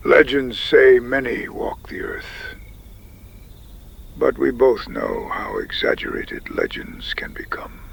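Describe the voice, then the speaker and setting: A man playing a wise, solemn Native tribal chief in a frontier audio drama, speaking gravely with a breathy, gravelly voice that often drops to a whisper. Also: mid-range voice, huge pitch swings, heavily acted. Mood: measured, wise. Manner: slow, measured, grave pronouncements.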